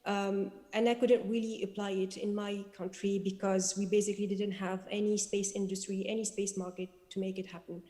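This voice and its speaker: Mellow-voiced woman, reverberant panel talk. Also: medium pitch, little pitch movement, fairly quick, hardly any pauses. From Tunisia. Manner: earnest, fillers like um and uh. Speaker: space engineer, panelist. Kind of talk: panel discussion remarks. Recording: long hall reverb.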